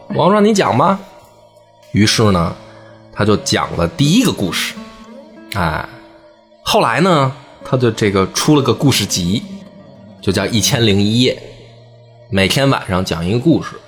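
A man's voice: lowish voice, moderate pace, pauses often, soft background music. Laughing male storyteller. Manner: animated, laughing, jumps into voices. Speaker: podcast storyteller. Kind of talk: comic retelling of a folk tale.

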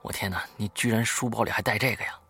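A man's voice: on the low side, fairly even intonation, fast, sharp tone, slight background noise. A man voicing his younger self as a curious, jumpy seventh-grade boy who keeps questioning his friend. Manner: startled, questioning.

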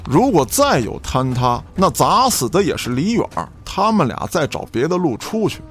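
A man's voice: on the high side, sing-song, normal speed. A man giving dramatic scripted narration for a radio play in a theatrical storytelling manner. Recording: music behind the voice.

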